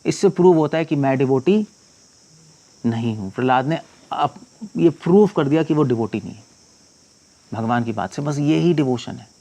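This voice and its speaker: A monk giving a scripture discourse, reciting verses slowly and then explaining them in conversational speech mixed with English phrases. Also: male voice, a little high, dark tone.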